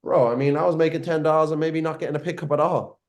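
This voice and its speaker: A man in his twenties, a brash and profane guest on a podcast over a video call, talking in quick bursts and repeating himself. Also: a little high, steady tone, darkish tone. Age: 20s. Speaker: guest, marketing agency owner. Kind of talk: casual podcast interview.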